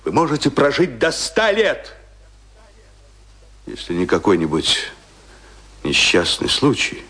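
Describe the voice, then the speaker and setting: A man's voice: medium pitch, wildly swooping pitch, takes it slowly, sharp tone, breathy edge, full character voice. A man playing a confident, dismissive doctor in a radio drama, declaiming his reassurances emphatically. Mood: assured. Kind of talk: theatrical radio drama acting.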